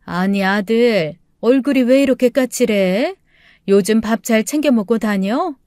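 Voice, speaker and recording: A woman voicing a worried middle-aged mother who speaks softly and slowly to her son and his wife. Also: a little high, animated, no room sound, studio quality. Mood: coaxing. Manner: soft, coaxing and slow.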